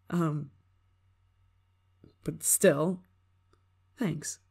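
A young diva played by a woman in an ASMR roleplay, with a slightly low voice for a woman. She brags and brushes people off in a prickly tsundere manner. Underneath she is soft, and she slips easily into flustered stammering. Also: extremely slow, gravelly, breathy edge, heavily acted. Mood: flustered, softened. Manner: tsundere: bragging and dismissive, flustered stammering when touched. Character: haughty young female pop star, prickly but secretly soft. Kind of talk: ASMR roleplay acting, one-sided dialogue.

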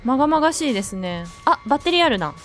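A woman's voice: high-pitched, big pitch swings, rapid-fire, fairly bright tone. A woman playing a horror game and commenting as she goes, jittery and jokey, who bursts into frightened shrieks. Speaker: let's play gamer. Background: faint game music.

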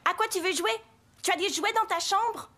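High, piping little cartoon boy. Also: normal speed, pushed and bright. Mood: playful. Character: easygoing, playful little boy, cartoon playmate. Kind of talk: French-language cartoon voice acting. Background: music.

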